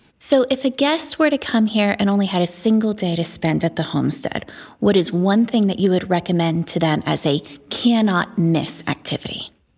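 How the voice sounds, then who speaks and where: With lively intonation and an ordinary speaking voice, a woman speaks at medium pitch and a moderate pace. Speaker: podcast host. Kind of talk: interview for a resort podcast.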